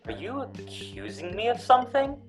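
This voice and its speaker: A man's voice: very high-pitched, wildly swooping pitch, moderate pace, music in the background, exaggerated voice. A man playing a curt, defensive police superior in an amateur radio drama.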